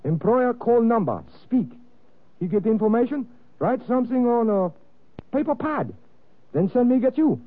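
A man's voice: extremely high pitch, big pitch swings, moderate pace, long pauses, exaggerated voice. An actor playing a pushy male chauffeur-servant who speaks in clipped, broken English, in a 1940s radio drama. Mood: concerned. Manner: clipped broken phrasing, insistent. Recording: tinny old radio broadcast.

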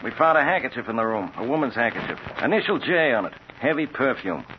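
Police captain voiced by a man, dry, animated, dull radio broadcast. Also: mid-range voice, quick pace, a little hiss or hum, natural voice. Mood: wry. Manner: blunt, dry. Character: wry, blunt male police captain.

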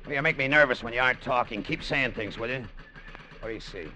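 An actor playing an eager salvage partner who also narrates, in a 1950s radio drama, talking in an excitable way. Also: male voice, medium pitch, fast talker. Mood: anxious. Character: eager adult male treasure hunter, narrating.

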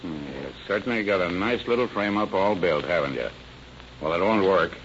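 Brief: a defiant murder suspect, swinging wide in pitch, dull vintage radio recording. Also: male voice, lively intonation, normal speed, a little hiss or hum. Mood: sneering. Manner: loud, threatening, sneering. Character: blustering male murder suspect, defiant and sneering. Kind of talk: 1930s radio drama acting.

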